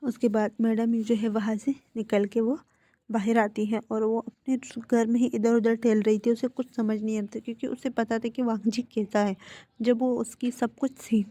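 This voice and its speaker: A woman's voice: on the high side, mellow, no room sound. A woman narrating a fan-fiction story in a casual, conversational way with filler phrases.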